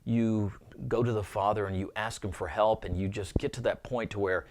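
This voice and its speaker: A man's voice: on the low side, fairly even intonation, moderate pace, slight background noise. A man giving an earnest, informal Christian teaching, often repeating words as he thinks aloud.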